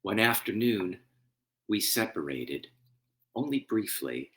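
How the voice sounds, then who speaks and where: Deep-voiced, slow-speaking man. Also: sing-song, fairly bright tone. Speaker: minister. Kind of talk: informal spoken introduction and poetry reading.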